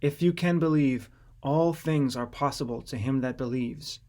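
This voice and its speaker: A man's voice: medium pitch, normal speed, a little mellow, close to an everyday voice. A man voicing a solemn, stern teacher and healer with a commanding manner in a scripture audiobook.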